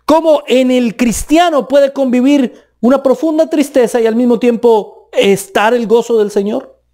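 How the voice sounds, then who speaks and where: Colombian preacher man, mellow voice. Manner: emphatic, rising and dropping pitch for stress. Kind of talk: sermon.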